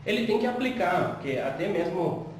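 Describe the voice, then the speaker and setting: A woman speaking a learned second language, hosting a casual chat in an animated, expressive way. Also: on the low side, normal speed. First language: not Portuguese. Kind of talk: casual conversation. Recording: echoey room, distant mic, faint noise.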